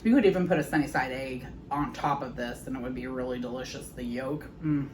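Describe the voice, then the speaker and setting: A woman in her thirties chatting casually in her home kitchen as she tastes her food, often pausing to savor it with soft hums. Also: a bass voice, background noise. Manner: chatty, savoring bites with frequent mm sounds. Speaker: home cooking vlogger. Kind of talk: casual chat while tasting food.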